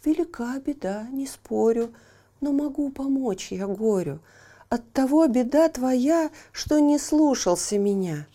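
A woman voicing a kind, wise little humpbacked horse in a storybook tale, gentle, caring and soft. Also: high voice, animated, unhurried, pitched above the performer's own voice.

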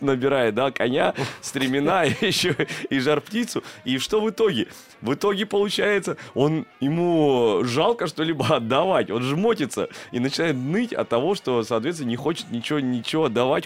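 A man casually retelling a fairy tale, animated and laughing, with lots of fillers and restarts. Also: mid-range voice. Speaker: podcast co-host who staged a children's fairy-tale play. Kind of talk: casual storytelling conversation.

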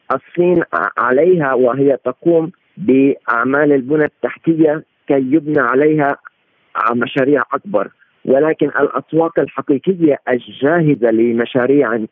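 The sound is a narrow, tinny phone-like line with a dry, echo-free feel. On it a man gives analytical commentary in formal Standard Arabic, explaining point by point and now and then restarting a phrase. His pitch sits in a middle range. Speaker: political and economic analyst, interview guest. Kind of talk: live interview commentary. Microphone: remote phone-like connection.

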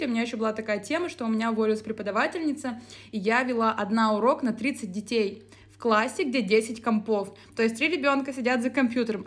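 A woman guest from Udmurtia in casual chat, telling stories animatedly and acting out her own past remarks. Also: on the high side. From Izhevsk, Udmurtia, Russia. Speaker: guest, company co-founder.

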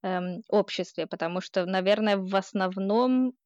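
This is a woman with a Ukrainian accent, a guest in a relaxed conversation. She laughs through many of her sentences and keeps a friendly, chatty flow. The sound is dry and a little dull, like a lo-fi recording. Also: medium pitch, normal speed, dry recording. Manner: laughs often while speaking, warm and chatty. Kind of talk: casual conversational interview.

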